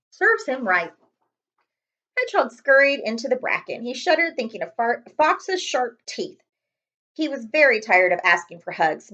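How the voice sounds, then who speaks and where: A woman hosts a children's read-aloud in a high, very animated voice. She addresses young listeners directly and adds friendly asides. The recording is slightly dull and lo-fi. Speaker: read-aloud host, librarian.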